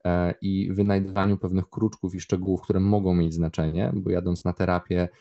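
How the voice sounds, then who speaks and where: A man with a very low, dark voice talks as a dog trainer in a podcast conversation. He explains at length, with plenty of fillers and restarts. The audio is slightly dull. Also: level tone, moderate pace. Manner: long explanatory answers with many fillers.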